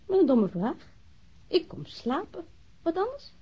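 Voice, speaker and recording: A woman's voice: very high voice, sing-song, measured pace, warm tone, heavily acted. An actress playing a bold, playful woman, teasing her lover with flirtatious mock formality and bossiness in a radio drama. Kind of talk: intimate radio drama dialogue. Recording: dull, noisy old radio drama recording.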